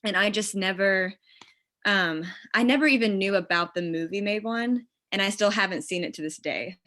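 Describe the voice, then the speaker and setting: A woman's voice: medium pitch, normal speed, fairly bright tone. A woman screenwriter explaining things casually and informally, as in a conversation with collaborators. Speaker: screenwriter leading a script table read.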